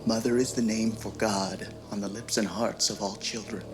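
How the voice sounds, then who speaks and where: An actor playing a vengeful undead man, speaking in a low, quiet, sardonic way in a film clip. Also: fairly even intonation, normal speed, reverberant, close to an everyday voice. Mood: grim. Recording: film clip with music, from afar.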